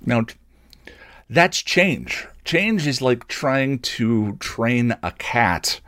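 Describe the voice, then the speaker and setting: Low-voiced man, candid and thoughtful. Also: no echo, clean studio sound. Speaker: host of an online show. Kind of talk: reflective personal monologue.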